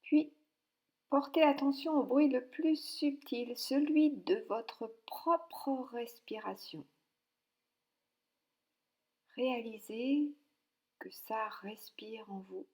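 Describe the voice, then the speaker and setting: A woman leading a guided yoga nidra relaxation, speaking calmly and softly with long pauses between short instructions. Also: high-pitched. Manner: calm, soothing, with long pauses.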